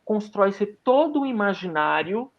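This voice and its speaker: Man, fairly high voice, panel moderator, analytical, guiding, muffled lo-fi video call audio. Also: big pitch swings, moderate pace.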